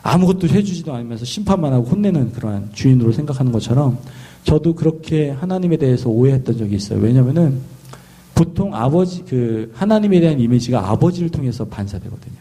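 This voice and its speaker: A pastor from Seoul preaching a sermon in a lively storytelling way, often asking the congregation questions. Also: male voice, mid-range voice, fast talker, slightly rough. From Seoul, South Korea.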